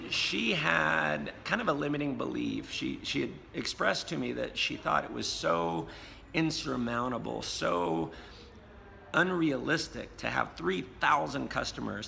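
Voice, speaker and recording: A hoarse American man with a gravelly, strained voice and a bright, forceful edge. He talks in an upbeat, casual way, with many fillers. His voice carries a long reverb from a hotel lobby, with faint noise underneath. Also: medium pitch. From United States. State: hoarse, has lost his voice. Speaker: host and network marketing coach. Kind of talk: casual video blog interview.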